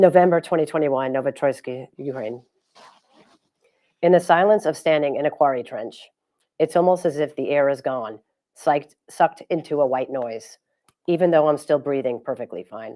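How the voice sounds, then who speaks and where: A woman's hoarse, put-on character voice, very deep and low in pitch, with ordinary pitch variation, a moderate pace and long, frequent pauses. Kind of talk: reading an abstract.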